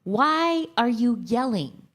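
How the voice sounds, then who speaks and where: Woman acting a sardonic, animated, reluctant accomplice. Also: on the high side, slow, full character voice. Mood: skeptical. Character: skeptical, sardonic woman reluctantly joining a scheme. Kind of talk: staged comedy screenplay reading. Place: live staged reading in a church.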